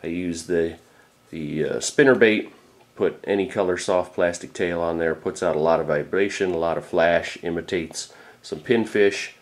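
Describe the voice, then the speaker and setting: A man's voice: sits low, moderate pace. A middle-aged man, a fishing guide, giving a casual off-camera talk about lures in a plain, practical way with frequent fillers. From Florida.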